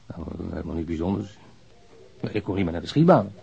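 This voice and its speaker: Gravelly, muffled confessed killer. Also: male voice, low-pitched, animated, mellow, slight background noise. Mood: hesitant, frank. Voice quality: gravelly, husky. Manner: halting, matter-of-fact, frank. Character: subdued working-class man confessing to a killing. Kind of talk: naturalistic radio drama acting. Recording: dull, muffled lo-fi sound.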